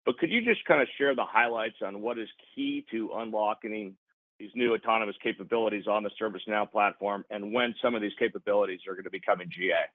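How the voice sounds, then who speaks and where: A male analyst puts a question on an earnings call. His voice sits on the low side and comes through a dry, narrow telephone connection. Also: fast talker, no echo. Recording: dry, narrow phone line.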